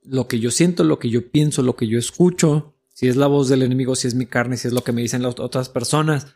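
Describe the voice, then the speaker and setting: Man with a gravelly, mid-pitched voice, thinks aloud in halting faith talk. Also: steady tone, darkish tone. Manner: searching, halting, many restarts. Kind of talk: casual faith discussion.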